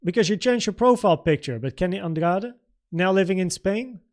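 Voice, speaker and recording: Higher-pitched Dutch man livestreaming. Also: expressive, brisk, a little mellow. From the Netherlands. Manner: informal, thinking aloud, reading out viewer comments. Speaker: trading livestream host. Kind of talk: casual livestream Q&A and market commentary.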